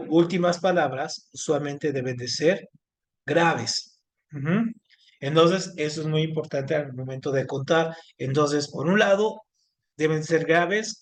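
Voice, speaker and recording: A man teaching an online class, speaking haltingly with many fillers and restarts. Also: a little high. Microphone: video call.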